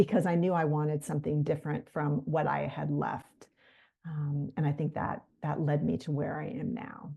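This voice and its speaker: In an American accent, a woman speaks at a moderate pace with a very deep, low pitch, a dark, mellow tone, vocal fry and fairly even intonation. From US Midwest, Iowa. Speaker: healthy aging coach. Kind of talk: podcast interview. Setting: podcast.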